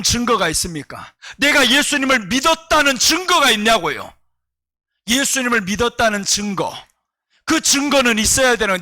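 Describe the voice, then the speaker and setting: A middle-aged man, a pastor, preaching a sermon in a church with animated storytelling, jumping between shouts and low asides. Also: dry recording.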